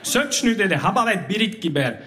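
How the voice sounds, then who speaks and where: A man's voice: high-pitched, sing-song, a little fast, bright, forceful tone, slight background noise. Man chanting rhythmic nonsense verse. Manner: rhythmic chanting of repetitive lines and invented nonsense words. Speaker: spoken word performer. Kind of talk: stage poetry performance.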